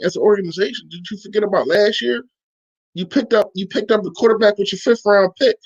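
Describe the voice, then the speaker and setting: A man's voice: high-pitched, lo-fi sound. Emphatic, slangy man debating football. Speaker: sports podcast host. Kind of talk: casual sports talk, reacting to live chat.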